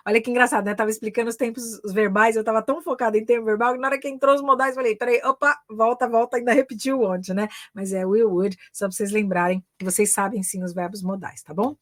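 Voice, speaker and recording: A woman with a Brazilian Portuguese accent giving a live online English grammar lesson, chatty, checking in with "ok?" and "né?" after almost every phrase. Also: medium pitch. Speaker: English teacher and career mentor.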